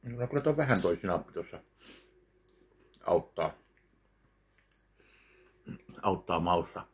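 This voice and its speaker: A man in his thirties giving a slow, deadpan review of a meal while eating at home in his kitchen. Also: sits low, a little hiss or hum. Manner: slow, deadpan, pauses between bites. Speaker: food vlogger. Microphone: webcam at close range.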